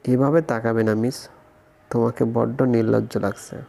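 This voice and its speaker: Casting note: smug teasing young romantic lead, read by a man, low dark gravelly voice, little melody. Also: fairly even intonation, moderate pace.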